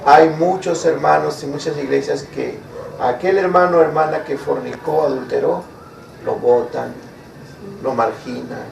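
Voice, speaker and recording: High-voiced preacher in an echoey hall. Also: male voice, steady tone, a little slow, creaky, a little hiss or hum. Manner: asks the congregation rhetorical questions. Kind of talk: sermon. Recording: echoey room, mic far off.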